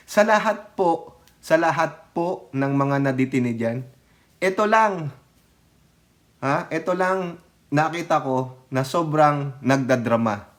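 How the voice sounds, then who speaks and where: Slow, mocking male political vlogger. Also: fairly high pitch. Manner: mocking, sarcastic, laughs often; addresses viewers directly as countrymen. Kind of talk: casual political commentary.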